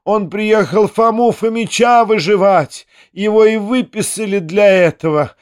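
A man doing a shrieking imperious old noblewoman. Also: clear, resonant tone. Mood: hysterical, furious. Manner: shrill, drawn-out shouting. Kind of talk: audiobook character voice.

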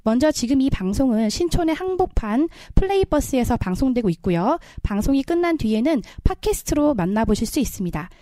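A woman with a slightly high, mellow voice hosts a small community radio show, announcing politely with soft little fillers. She has a cold, and the studio sound is close and dry. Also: dry recording. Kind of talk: friendly scripted radio hosting.

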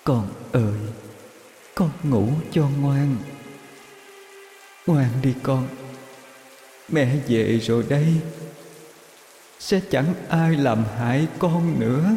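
A man voicing the ghost of a dead young mother in a horror story, murmuring softly in a sing-song voice. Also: a little high, expressive, drawn-out words, long pauses, roomy sound, big-room sound, soft background music, voice pushed up. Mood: eerie lullaby.

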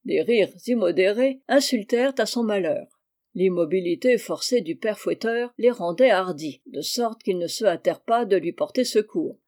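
Woman audiobook narrator, mellow tone, steady pace. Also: mid-range voice, normal speed. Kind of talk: scripted narration.

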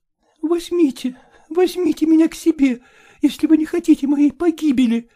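A woman's voice: high-pitched, moderate pace, dark tone, voice pushed up, natural voice. A man voicing a young married woman, desperate and pleading in tears, reading a storybook. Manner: pleading, insistent, tearful.

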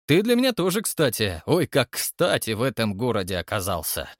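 Man doing a boisterous old man, audiobook, booming, loud, drawn-out, dry close sound. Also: wildly swooping pitch, no echo. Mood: jubilant. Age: older. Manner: booming, roaring. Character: burly elderly man, boisterous and loud, grey-bearded.

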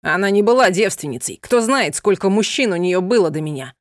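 A woman's voice: low-pitched, normal speed, no room sound, clean studio sound, voice pushed down, close to an everyday voice. A woman voicing a proud, stern young gypsy man who speaks coldly and curtly. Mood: angry. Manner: cold, curt and commanding.

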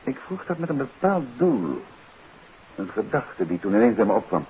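An actor playing a composed, inquisitive detective in a 1950s radio drama, probing in a conversational way. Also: male voice, on the low side, sing-song, normal speed. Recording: dull 1950s radio recording, faint hiss.

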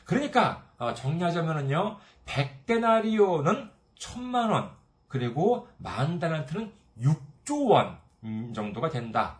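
A man preaching a sermon as pastor, retelling a parable and briefly acting out its characters' voices. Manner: storytelling, acting out parable voices with lively pitch swings.

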